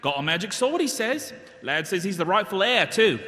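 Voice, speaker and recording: A man's voice: high voice, very animated, normal speed, bright, forceful tone, full character voice. A man playing a chirpy street sausage seller with wheedling salesman patter in a live radio comedy. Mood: sly, excited. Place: live on stage in a large hall. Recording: reverberant hall, live stage performance.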